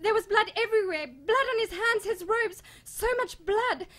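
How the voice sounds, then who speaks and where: A helpless nun in shock, played by a woman. Her voice is extremely high, distraught and halting, in dramatic radio-play acting. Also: a bit bright. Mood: terrified, tearful.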